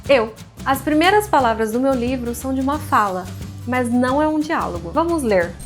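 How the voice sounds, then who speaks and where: A woman with a fairly high voice and a Brazilian accent with a pulled R hosts a writing lesson. She speaks directly and informally to the viewer, with faint music behind her. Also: lively intonation, moderate pace. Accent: Brazilian Portuguese with a pulled R. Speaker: host of a writing advice series, author. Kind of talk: didactic video talk with read-aloud book excerpts.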